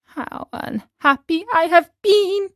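A woman's voice: very high-pitched, takes it slowly, fairly bright tone, dry recording, studio quality, pitched above the performer's own voice, exaggerated voice. A woman voicing a naive young wooden puppet boy in a storybook reading, speaking in an earnest, pleading, childlike way. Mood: remorseful. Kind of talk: storybook character voice.

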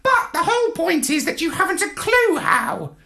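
A haughty high-voiced parrot. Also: male voice, very animated, normal speed, creaky, sharp tone, exaggerated voice. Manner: lofty, superior. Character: bossy brainy male parrot, high and haughty.

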